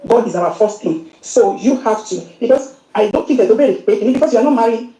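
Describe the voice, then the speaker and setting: A recorded voice message from a middle-aged Yoruba-accented woman, played back on the show. She talks earnestly and briskly, slipping English into her words. Her tone is deep and mellow, and the room around her echoes. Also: expressive. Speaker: caller sending a voice note. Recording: roomy voice message.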